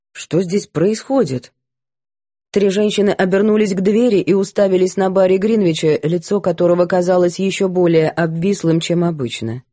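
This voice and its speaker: A woman reading a novel aloud as audiobook narrator, even and clear. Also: on the low side, no room sound. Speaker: audiobook reader. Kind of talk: scripted story narration.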